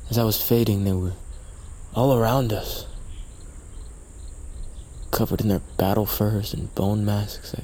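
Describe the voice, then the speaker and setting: A man's voice: fairly low pitch, steady tone, unhurried, long pauses, dark tone. A man acting a wounded tribal warrior in an audio drama, wry and loyal, with a weary manner. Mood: hushed, reflective. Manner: wry, sardonic. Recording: night insects, faint outdoor noise.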